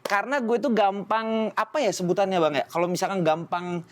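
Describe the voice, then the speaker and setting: A young man born in Spain and raised in Bali, speaking Indonesian with a Medan-style accent, telling his story in an animated, slangy way as a podcast guest. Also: sits high, brisk. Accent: Indonesian with a Medan-style lilt. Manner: animated, slangy, jumps into voices and sung bits. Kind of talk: casual storytelling chat.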